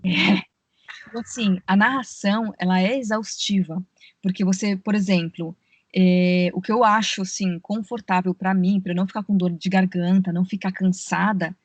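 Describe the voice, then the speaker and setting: A woman, a voice actress and audiobook narrator, gives lengthy explanations of her work while being interviewed for a podcast over a remote call. Her speech is full of "né" and "assim." She has a medium-pitched, steady voice at a moderate pace, with no room sound.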